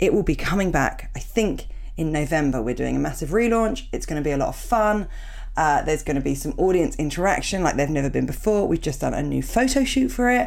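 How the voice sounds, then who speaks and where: A woman with a southern English accent at a very fast pace. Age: 30s. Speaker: podcast host and touring comedian. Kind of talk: casual monologue.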